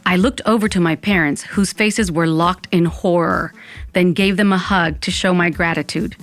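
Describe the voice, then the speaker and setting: A woman's voice: lowish voice, fairly even intonation, normal speed, no echo, faint music behind, close to an everyday voice. A woman playing a wry Latina narrator who tells her own story in an audio fiction podcast. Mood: reflective. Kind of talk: scripted first-person narration.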